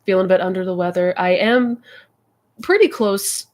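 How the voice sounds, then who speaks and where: A woman's voice: mid-range voice, normal speed. A woman hosting a live question-and-answer stream as a coach, chatting casually, a little stuffy and nasal from a cold. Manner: friendly, chatty, many fillers. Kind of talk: casual livestream chat.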